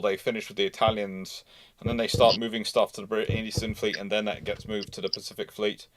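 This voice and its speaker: A man's voice: fairly low pitch, no echo. Man explaining history off the cuff, close-sounding. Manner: halting, repeats and rephrases emphatically. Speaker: host answering naval history questions.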